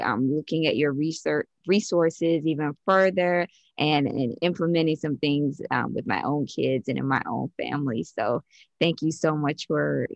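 A woman's voice: sits low, no echo, lo-fi sound. A woman hosting an interview podcast, enthusiastic and effusive, with many exclamations. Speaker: podcast host.

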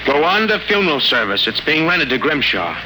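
An American actor playing a curt, sarcastic hearse driver in 1950s radio style. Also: male voice, on the high side, sing-song, fairly quick, bright, forceful tone, heavily acted. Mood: curt, suspicious. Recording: noisy old radio recording.

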